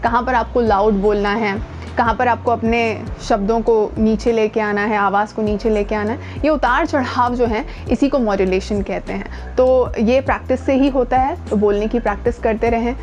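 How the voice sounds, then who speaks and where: An Indian woman works as a voice coach and video host, giving an informal lesson to camera outdoors near her home. Her voice sits on the high side with a darkish tone, fairly even intonation and a moderate pace, and she speaks conversationally and emphatically, mixing in English words. The recording is lo-fi with a little hiss or hum.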